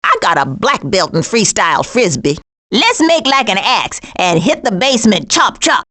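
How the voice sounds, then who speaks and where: A woman's voice: medium pitch, very animated, moderate pace, pushed and bright. A woman voicing a sassy, streetwise female skunk with an American accent and slangy, emphatic delivery for a cartoon video game. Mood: sassy, confident. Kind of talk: animated video game voice lines.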